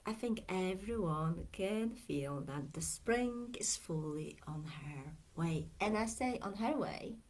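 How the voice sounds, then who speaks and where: A middle-aged woman from Poland with a Polish accent, a coach talking in a slow, reflective way that often drifts into near-whispers. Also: fairly low pitch, expressive, darkish tone. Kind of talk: reflective Facebook video talk.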